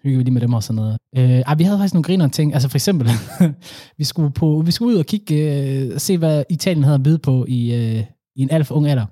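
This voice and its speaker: A young man co-hosting a casual chat, telling animated stories with slang. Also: mid-range voice, no echo, studio quality.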